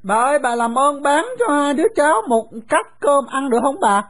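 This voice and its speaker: A woman's voice: sits high, lively intonation, brisk, pitched above the performer's own voice. A woman voicing a cheerful, bold young orphan boy who teases his friend. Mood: cheerful, eager. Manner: teasing.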